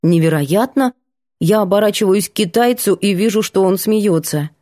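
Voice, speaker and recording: A woman narrating a novel in the first person, with expressive, ironic storytelling. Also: mid-range voice, normal speed, no room sound, studio quality. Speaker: audiobook narrator.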